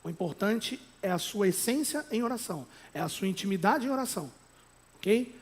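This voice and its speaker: A Brazilian man preaching a sermon as pastor, emphatic, with conversational asides and tag questions, at times rising to loud exhortation. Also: high-pitched, expressive, moderate pace, husky. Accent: Brazilian Portuguese.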